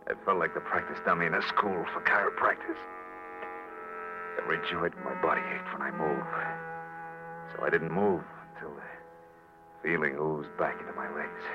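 An actor playing a tough, wry private detective, wisecracking and dramatic in 1940s radio noir narration. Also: male voice, low-pitched. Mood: weary narration. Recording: dull old radio recording, loud music.

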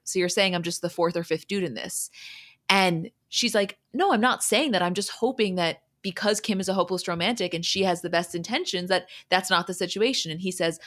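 A woman's voice: on the low side, a bit bright. A woman hosting a podcast, recapping in a casual, conversational way as she retells who said what. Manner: conversational, retells quoted dialogue scene by scene. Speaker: podcast host.

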